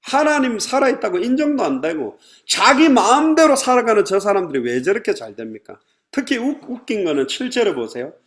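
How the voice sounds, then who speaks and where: A male pastor preaches with a high, bright voice that leaps up and down in pitch. He drives his sermon with energy and slips into voices to mimic grumbling believers. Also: a little fast. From Korea. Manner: animated preaching, mimicking complainers.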